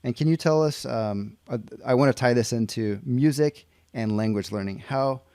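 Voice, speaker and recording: A man's voice: mid-range voice, normal speed, dark tone, clear, resonant tone, no room sound. American man, podcast host, dry close recording, recaps the answers, lots of fillers. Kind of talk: casual interview questions.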